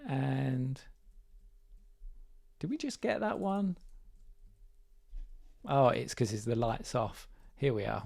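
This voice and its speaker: Guy, bit croaky and gravelly, walking through a website builder live, chatty and fixing his own slips. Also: medium pitch. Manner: relaxed, thinking aloud, self-correcting. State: slightly croaky voice. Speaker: developer demonstrating software. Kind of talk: live screen-share walkthrough.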